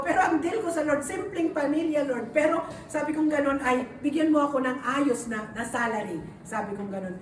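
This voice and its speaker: A woman's voice: very high voice, a bit bright, slight background noise. A woman pastor giving an earnest sermon with personal testimony, often putting rhetorical questions to the congregation. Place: church hall. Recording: echoey hall recorded from a distance.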